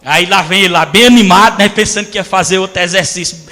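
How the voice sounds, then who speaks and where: A male pastor from Brazil, preaching a sermon as animated storytelling and acting out voices. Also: high voice, fast, big-room sound. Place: church hall.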